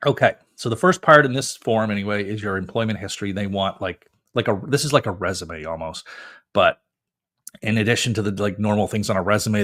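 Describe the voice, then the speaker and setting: A man's voice: on the low side, a bit bright. A man from Canada, a disability lawyer, explaining a form in a casual walkthrough with fillers and self-corrections.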